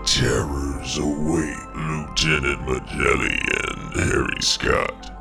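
Super deep slow guy doing ominous drama narration, music behind him. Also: flat delivery, gravelly. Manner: ominous, slow announcer delivery.

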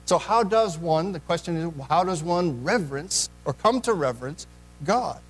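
A man's voice: on the high side, lively intonation, normal speed, soft background music, poor audio. A man preaching a sermon in a church, earnest, putting direct questions to the congregation. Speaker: pastor.

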